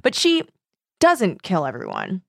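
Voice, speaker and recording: A woman's voice: on the low side, wildly swooping pitch, a little slow, vocal fry, a bit bright, no echo, studio quality. A woman casually discussing books as a co-host, informal and slangy, often acting out reactions with "like". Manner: informal, slangy, peppered with 'like' and quoted reactions. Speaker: book discussion show co-host.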